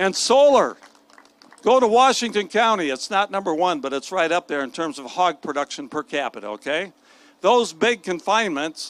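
Speaking with an American accent, a man uses a high pitch and very wide pitch swings at a moderate pace, in a dry sound with no echo. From Iowa, Sioux City. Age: 60s. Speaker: congressman. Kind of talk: political stump speech. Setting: outdoor stage at state fair with audience. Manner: folksy, halting with fillers. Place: stage. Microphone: handheld.

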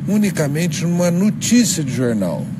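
A man talks against loud background noise. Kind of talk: press statement. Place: street. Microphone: handheld.

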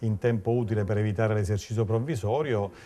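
With a dark, mellow tone and fairly low pitch, a man talks at a fairly quick pace with fairly even intonation. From Abruzzo, Pescara; Abruzzo. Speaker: regional politician. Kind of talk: interview; interview answer. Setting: restaurant. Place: cafe.

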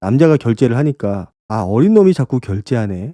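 In a dry, close recording with no echo and a quiet background, a man with a dark, mellow tone speaks at a moderate pace, his pitch swinging very widely. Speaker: YouTube reality-show commentator. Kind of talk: solo commentary monologue.

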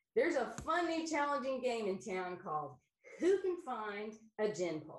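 A woman speaks in an American accent. Her pitch swings very widely. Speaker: amateur radio operator and tower climber. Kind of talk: presentation. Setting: video call.

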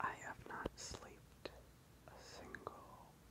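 A man is speaking. He whispers. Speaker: ASMR creator. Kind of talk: ASMR whispered ramble. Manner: whispered, soft-spoken. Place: home room.

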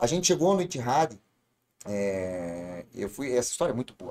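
Very wide pitch swings run through this man's dark, mellow tone. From Brazil, Curitiba; Brazil. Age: 40s. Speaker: doctor and health company executive; podcast guest. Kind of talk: casual interview. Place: studio. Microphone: studio mic.

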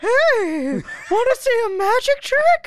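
The voice is a put-on character voice pitched extremely high. Its pace is fairly slow.

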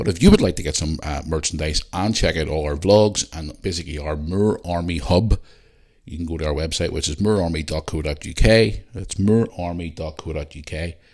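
A man's very deep, low voice at a moderate pace with ordinary pitch variation. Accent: Belfast. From Northern Ireland, Belfast. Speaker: podcast host. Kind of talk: casual solo monologue.

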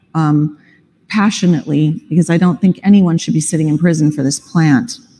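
A woman with an American accent talks at a moderate pace and a fairly low pitch, her intonation fairly even. Faint music plays in the background. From Montana. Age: 50s. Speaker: cannabis company CEO; company chief executive on a panel. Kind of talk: onstage conference interview. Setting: stage with audience. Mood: earnest, passionate. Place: stage. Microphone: lapel.

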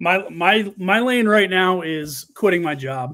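The background is quiet as a man speaks with an American accent. His voice sits high in pitch. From western Massachusetts. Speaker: construction foreman and dumpster business owner; podcast guest. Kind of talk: casual chat. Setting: remote call from home. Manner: halting, many fillers. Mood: relaxed, candid. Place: home room.

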